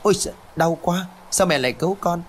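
Man doing a high whiny little village boy. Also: expressive, brisk, a little hiss or hum, close to an everyday voice. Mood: pained. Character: frightened young village boy.

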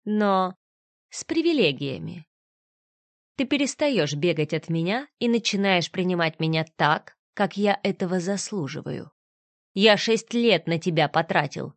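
A woman voicing a cold, menacing man who threatens his former partner with slow, sneering words, in a storybook reading. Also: fairly low pitch, animated, no echo. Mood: coldly mocking.

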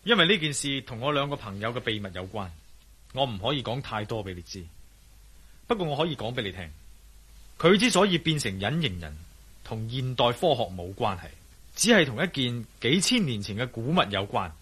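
An actor playing a calm, self-assured adventurer in a radio drama, speaking firm in a matter-of-fact way. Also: male voice, medium pitch, brisk, slightly rough. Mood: steady. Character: bold adventurer man, calm and sure of himself.

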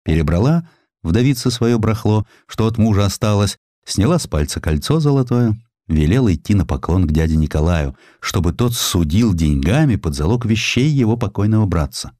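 Deep-voiced, animated male storyteller. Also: moderate pace, no room sound, clean studio sound. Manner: theatrical, expressive storytelling. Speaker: audiobook narrator. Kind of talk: dramatized scripted narration of a historical sketch.

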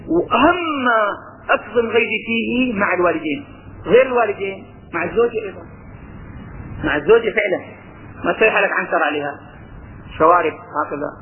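Levantine male religious teacher with a high voice, lively and questioning, on a lo-fi tinny recording. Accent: Levantine Arabic. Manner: lively, mixes colloquial talk with recited verses, asks rhetorical questions. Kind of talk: religious lesson.

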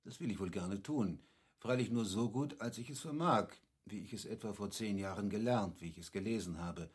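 Educated polite captain guy, slightly rough husky voice, formal and patient, classic radio play. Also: lowish voice. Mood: modest. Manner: measured, didactic, formal. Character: learned, courteous captain patiently explaining, a cultivated man.

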